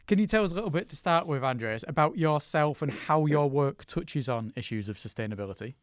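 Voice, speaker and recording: A man's voice: a little high, lively intonation, a little fast, no echo, clean studio sound. A man hosting a podcast in a casual, conversational style. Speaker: podcast host.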